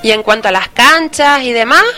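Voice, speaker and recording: High-ish woman co-hosting radio. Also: expressive, normal speed, bright, forceful tone, faint music behind. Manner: sums up answers, many "vale"s. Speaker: radio co-host. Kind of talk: local radio chat.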